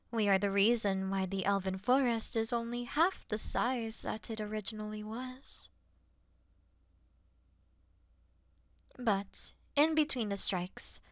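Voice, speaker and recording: Demon queen, played by a woman: regal, sincere, measured and soft-spoken, with a bright edge, recorded dry for fantasy roleplay audio. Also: mid-range voice, no room sound. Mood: wistful, reflective. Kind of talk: scripted fantasy audio roleplay addressed to the listener.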